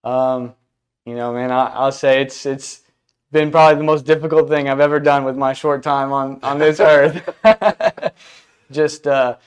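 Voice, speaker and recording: Man, twenties, smooth resonant voice, laid-back, halting, casual interview talk. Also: mid-range voice, steady tone. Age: 20s. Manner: laid-back, hesitant with fillers. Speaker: event rental business owner.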